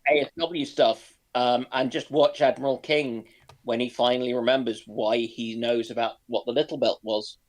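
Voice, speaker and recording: A man's voice: mid-range voice, fairly even intonation, normal speed. A man chatting casually as a panellist on a live history discussion.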